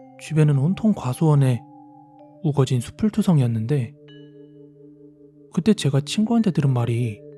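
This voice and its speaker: Over music in the background, a man with a fairly high pitch and lively intonation talks at a moderate pace, leaving long, frequent pauses. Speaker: horror story radio narrator. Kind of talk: reading viewer-submitted horror stories. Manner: whispered, ASMR-like.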